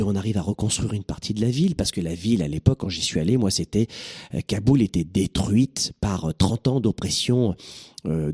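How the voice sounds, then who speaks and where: A middle-aged man hosts a motivational talk as a coach. His voice is low and a bit husky, and his pitch swings widely as he tells stories, often repeating words as he goes. The sound is dry and close. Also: no echo. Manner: animated, emphatic storyteller who repeats words as he searches. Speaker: coach and show host.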